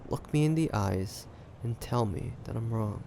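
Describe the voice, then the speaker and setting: A man playing an ambitious, shrewd pirate captain in an audio roleplay, taunting the listener in a deliberate, conspiratorial way. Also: mid-range voice, animated, gravelly, mellow, slight background noise. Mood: cold, frank. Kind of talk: roleplay audio drama monologue addressed to listener.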